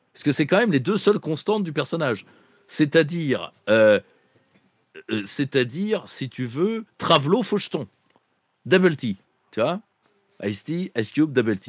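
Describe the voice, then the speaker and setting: A man speaks at a fairly high pitch with very wide pitch swings, at a fairly slow pace with long, frequent pauses. The sound is dry and close, with no echo. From France, Auvergne. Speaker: political commentator. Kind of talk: political commentary monologue. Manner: casual, halting with many fillers.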